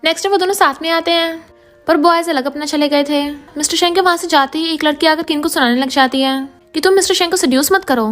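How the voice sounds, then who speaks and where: A woman narrating a scripted drama recap briskly. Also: sits high, fairly even intonation, a bit bright, soft background music. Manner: brisk storytelling.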